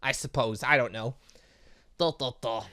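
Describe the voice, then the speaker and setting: An excitable, rambling gaming host giving let's play commentary, reading game text aloud and breaking off to exclaim. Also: medium pitch, moderate pace.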